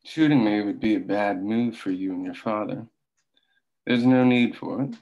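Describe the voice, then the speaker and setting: A man reading the part of a powerful boss who speaks in a calm, measured, quietly commanding way at a script table read. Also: fairly low pitch, highs cut off, natural voice. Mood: controlled.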